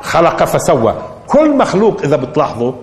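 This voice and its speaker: Animated sheikh in an echoey hall. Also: male voice, on the high side, quick pace, a little hiss or hum. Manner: rising to emphatic peaks, asking the audience questions. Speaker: Islamic scholar teaching Quran interpretation. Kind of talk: Quran commentary lesson.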